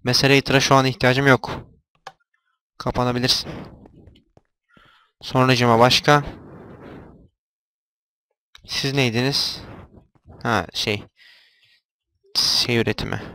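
A man's voice: mid-range voice, sharp tone, no room sound. A young man giving casual gameplay commentary, explaining machines and getting exasperated when they fail. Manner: exasperated, talks to game machines, frequent outbursts. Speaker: gameplay video host.

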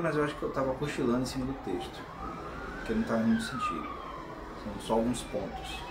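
A middle-aged Brazilian man giving an informal video lecture, conversational and often checking in with tag questions. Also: medium pitch. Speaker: channel host and philosophy explainer. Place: small tiled room, indoors. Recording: echoey room with clear background noise.

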